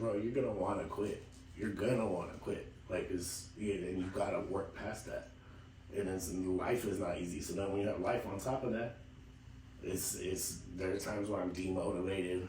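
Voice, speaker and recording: Speaking at a moderate rate in a somewhat low voice, a man keeps his intonation fairly level while clearly audible noise and an echoing room surround him. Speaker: DJ. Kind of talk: casual chat.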